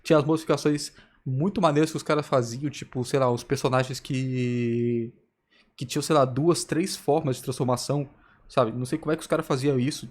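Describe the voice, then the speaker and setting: A man's voice: mid-range voice, fairly even intonation, fairly quick, a little mellow. A Brazilian man reacting casually, telling stories in a rambling, slangy way. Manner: slangy, rambling, repetitive storytelling. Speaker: reaction video host.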